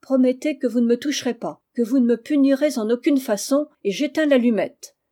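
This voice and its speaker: A woman's voice: high voice, fairly quick, warm tone, voice pushed up, lightly acted. A woman reading aloud voices a hot-tempered young orphan boy who speaks up boldly and defiantly. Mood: threatening. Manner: bold, raised voice, defiant.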